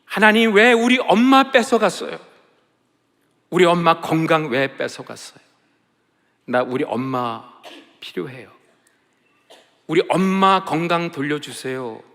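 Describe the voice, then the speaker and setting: Guy doing his young daughter wailing a prayer, pleading and tearful, high, big hall echo. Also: measured pace, long pauses, bright, forceful tone, heavily acted. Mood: wailing plea. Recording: long hall reverb.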